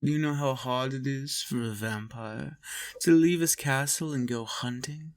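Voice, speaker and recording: Man acting a vampire master, slow delivery, heavy vocal fry, coaxing, possessive, soft menace, intimate roleplay audio. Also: mid-range voice, natural voice. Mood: possessive, doting.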